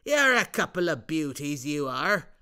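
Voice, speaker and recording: A woman reading aloud and voicing a gruff, elderly man who blusters and scolds loudly. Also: deep voice, very animated, a little slow, full character voice. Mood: scolding. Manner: loud, blustering. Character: gruff elderly male lighthouse keeper, scolding.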